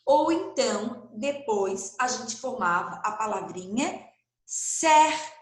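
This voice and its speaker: A woman's voice: on the high side, expressive, takes it slowly, echoey room. A woman with a Brazilian Portuguese accent, teaching first graders in a recorded online class, patient and stretching words out for young children.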